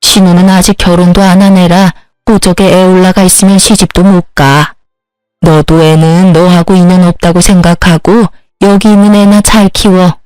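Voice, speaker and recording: A woman's voice: fairly low pitch, flat delivery, moderate pace, a little mellow, clean tone, dry recording, faint music behind, close to an everyday voice, low-quality recording. A woman voicing a domineering older mother-in-law who scolds and gives orders, in a storybook reading. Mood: bossy. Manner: commanding, scolding.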